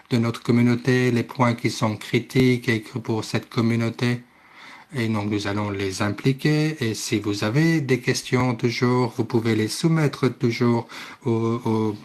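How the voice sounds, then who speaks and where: A man interpreting live at a formal meeting, speaking haltingly as he searches for words and corrects himself. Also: medium pitch. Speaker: simultaneous interpreter.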